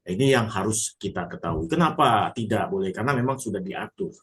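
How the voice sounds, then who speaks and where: A man's voice: lowish voice, lively intonation, a little fast, a bit bright. Man giving a formal spoken lecture. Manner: explanatory, frequent filler "ya", hesitant restarts; addresses audience formally. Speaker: legal lecturer.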